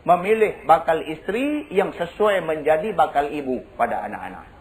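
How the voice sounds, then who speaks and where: Stern, wise caliph handing down judgement, voiced by a male preacher. Solemn and instructive, pitched high with lively swings. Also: moderate pace, natural voice, low-quality recording. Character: stern, wise old caliph judging a dispute.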